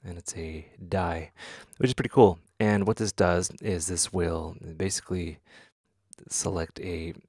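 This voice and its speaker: A man hosting a software tutorial in casual talk, halting and thinking aloud as he demonstrates. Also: deep voice, fairly even intonation, breathy edge, dry recording, clean studio sound. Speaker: tutorial host.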